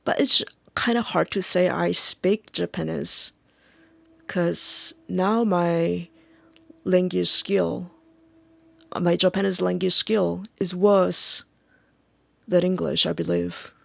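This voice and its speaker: A Korean-accented speaker, a native Korean speaker, talking in a halting, reflective vlog monologue and often pausing to search for words. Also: mid-range voice, fairly even intonation, creaky, fairly bright tone, no echo. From South Korea. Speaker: vlogger.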